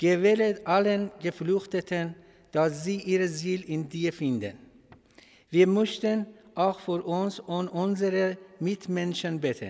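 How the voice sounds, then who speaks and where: With fairly even intonation, a man's high voice moves along very slowly. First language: Farsi (speaking German). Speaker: refugee, church member. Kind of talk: prayer.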